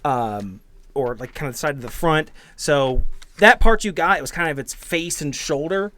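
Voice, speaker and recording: A man working as game master, improvising narration of a tabletop game in a halting, thinking-aloud way. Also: a little high, bright, forceful tone.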